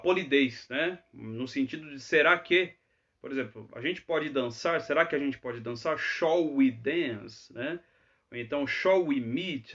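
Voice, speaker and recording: A man's voice: a little high, fairly bright tone, muffled recording. A man teaching English in a live Q&A, chatty and always checking in with tag questions. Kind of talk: live Q&A lesson.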